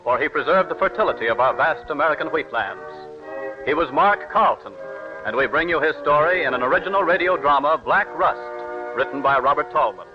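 A man announcing and narrating a vintage radio drama in a formal, declamatory manner. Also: a little high. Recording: muffled vintage radio broadcast with orchestra.

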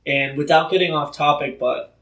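A man's voice: a little high, fairly even intonation, normal speed, fairly bright tone. Enthusiastic man in a roomy room. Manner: loose, enthusiastic, heavy use of "like". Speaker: book discussion co-host. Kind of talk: casual chat.

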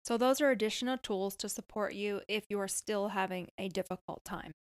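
A woman hosting a podcast on energy healing, speaking in a calm, soothing, reassuring manner. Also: medium pitch, brisk, dry recording, studio quality. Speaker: podcast host and energy healer. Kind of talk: podcast talk and guided healing.

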